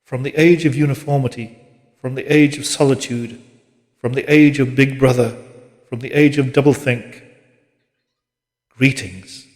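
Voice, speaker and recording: A man reading literary fiction as an audiobook narrator, in a measured, dramatic manner. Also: medium pitch, fairly even intonation. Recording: long reverberant hall-like echo.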